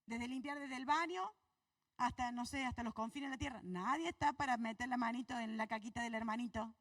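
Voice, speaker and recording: A woman pastor with an Argentine accent preaches from the pulpit in a high voice, pushing the congregation with questions. Her delivery climbs and drops. She is picked up from some distance with little room echo. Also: fairly quick, a bit bright. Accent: Argentine Spanish. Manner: preaches to the congregation with rhetorical questions, voice rising and falling. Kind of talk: sermon. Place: church hall.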